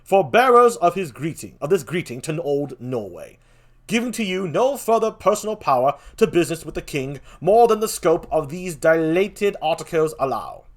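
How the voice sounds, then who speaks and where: Commanding king read by a man, genial, declamatory, very animated intonation, classical stage verse. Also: a little high, moderate pace. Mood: regal, commanding. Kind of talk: theatrical Shakespeare reading.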